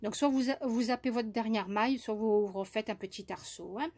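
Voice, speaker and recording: A woman from France demonstrating crochet step by step, hesitant with many fillers and restarts, softly counting stitches under her breath. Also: a little high, moderate pace. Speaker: crochet tutorial host.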